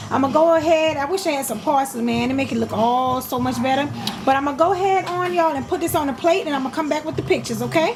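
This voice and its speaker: With a Southern US accent and a high pitch, a woman speaks at a very fast pace with ordinary pitch variation, amid noticeable background noise and audible room echo. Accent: country, Southern US-style speech. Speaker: cooking YouTuber. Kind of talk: cooking tutorial. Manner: casual, chatty.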